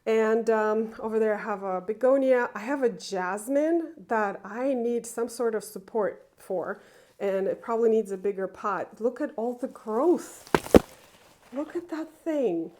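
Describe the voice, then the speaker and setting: A woman chatting casually through a tour of her indoor plant room, unhurried and enthusiastic, with small laughs and fillers. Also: on the high side, a little mellow, slight background noise. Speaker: plant vlogger.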